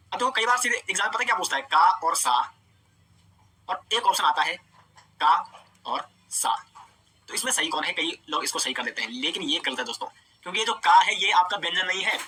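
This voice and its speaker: A man's voice: on the high side, pushed and bright, slightly rough. A young man teaching Hindi grammar in an online exam-prep lecture, explaining step by step, asking his students questions and answering them himself. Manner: explains step by step with rhetorical questions, repeats "dosto" and "theek hai".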